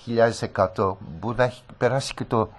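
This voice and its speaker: A man's voice: mid-range voice, fairly even intonation, a crowd in the background. A man speaking as a guest on a studio radio discussion, earnest and emphatic, repeating his points.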